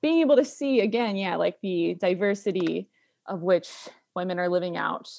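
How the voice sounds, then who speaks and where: This woman's voice is medium in pitch with a dark, mellow tone and ordinary pitch variation. She speaks at a moderate pace in a dry, close sound with no echo. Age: 20s. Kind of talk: interview conversation.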